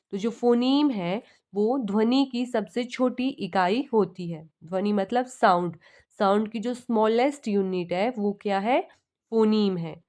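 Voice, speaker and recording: A woman's voice: medium pitch, a little mellow. A young woman teaching an exam-prep lecture in with terms, explaining step by step and asking and answering her own questions.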